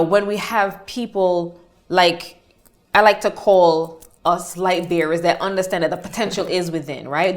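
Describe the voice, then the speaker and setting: A woman hosting an interview, affirming and reflective as she asks her questions. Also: fairly low pitch. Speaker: host. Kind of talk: interview talk.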